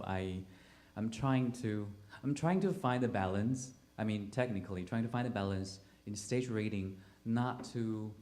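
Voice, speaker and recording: A man's voice: on the low side, a little mellow. A man with a Taiwanese accent speaking as a playwright and director on a panel, searching for words and repeating himself as he goes. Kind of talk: panel discussion, spontaneous personal account.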